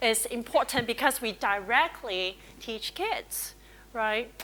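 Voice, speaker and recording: Raising and projecting her voice, a woman speaks very slowly in a bright, sharp tone with very wide pitch swings. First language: not English. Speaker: university lecturer giving keynote. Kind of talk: conference keynote speech. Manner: conversational, interactive.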